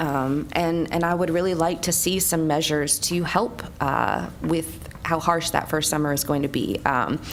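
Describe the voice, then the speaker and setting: With noticeable background noise, a woman at a very deep, low pitch talks at a fairly slow pace, with very even loudness and hardly any pauses. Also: fairly even intonation. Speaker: school board member. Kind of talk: board meeting remarks. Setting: public board meeting. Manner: hesitant, many fillers; slow, reading from notes.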